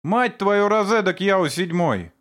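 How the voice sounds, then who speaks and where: A man voicing an enraged young man who shouts curses at his tormentors. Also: high-pitched, fairly even intonation, a little slow, clear, resonant tone, voice pushed up. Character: young man, the son, cursing in rage.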